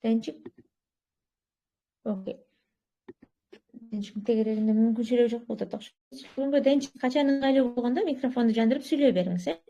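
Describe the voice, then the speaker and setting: A woman leads an online English speaking club over a video call. Her voice sits high but sounds mellow and soft-edged. She prompts each speaker in an encouraging way. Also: a little fast, pauses often, dull audio. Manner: encouraging, switching between English and Kyrgyz. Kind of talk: online English conversation class.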